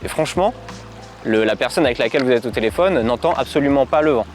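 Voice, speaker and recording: Speaking quickly and with energy over soft background music, this French-accented man reviews a product in a relaxed, conversational way during a cycling outing. His pitch sits in the middle, and the clean outdoor audio picks up traffic around him.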